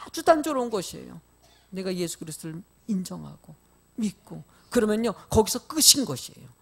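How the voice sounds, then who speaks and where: Middle-aged male preacher, fairly high voice, folksy storyteller who questions his flock. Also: a little fast, gravelly, husky. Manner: animated, questions the congregation directly; folksy storytelling with light humor. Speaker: pastor. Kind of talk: sermon.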